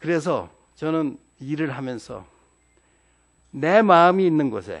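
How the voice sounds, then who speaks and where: Lively in intonation and fairly high in pitch, a man speaks at a very slow pace. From South Korea. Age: 70s. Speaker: professor. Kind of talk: lecture.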